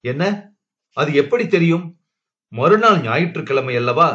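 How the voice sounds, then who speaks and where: A man's voice: fairly high pitch, animated, unhurried, bright, forceful tone. A distressed young wife, as a man puts her on in a dull recording. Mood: surprised.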